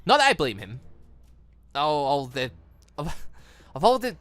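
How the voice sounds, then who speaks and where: Gaming commentator, bright forceful voice, swooping pitch, thinking out loud, exclamatory. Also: big pitch swings, unhurried, dry recording. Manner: rambling, thinking aloud, exclamatory. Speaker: gaming channel host. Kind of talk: excited game playthrough commentary with rambling reactions.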